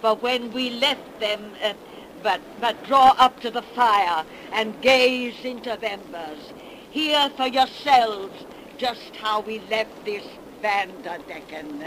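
An ancient witch crone, drawls her eerie tales in a cracked, cackling voice. Her speech is rustic and unhurried, heard through the clear noise of a 1930s radio broadcast. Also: a little high, fairly bright tone, rough recording. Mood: folksy, eerie. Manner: rustic, folksy dialect, slow spinning of yarns. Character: ancient cackling witch crone, 103 years old, folksy storyteller. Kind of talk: 1930s radio horror acting.

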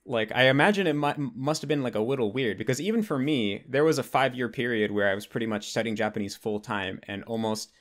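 A man's voice: mid-range voice, fairly quick, few pauses, fairly bright tone. A man in his twenties with an American accent, hosting a casual, conversational interview. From United States. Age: 20s. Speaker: interviewer, host. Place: bedroom at home.

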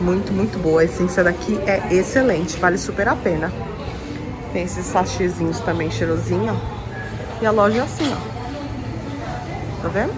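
A chatty woman from Brazil in her thirties, talking straight to her viewers as she shows off what she bought. She keeps checking that they can see, pointing at each item in an easy, everyday voice. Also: mid-range voice. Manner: chatty, addresses viewers as "gente", lots of "tá vendo, ó?". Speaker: vlogger. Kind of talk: casual shopping vlog.

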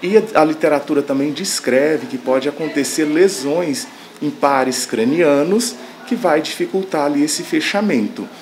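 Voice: mid-range voice, unhurried, darkish tone. Expert explaining to camera, slightly hesitant, faint background noise. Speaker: speech therapist.

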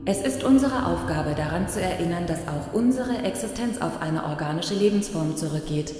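A cavernous echo surrounds a low-toned female machine intelligence voiced by an actress, with faint music behind. She is the calm, principled archivist of a science fiction radio play and speaks in precise, analytical sentences. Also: normal speed, natural voice. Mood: firm, principled. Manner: precise, analytical, formal diction. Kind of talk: science fiction audio drama acting.

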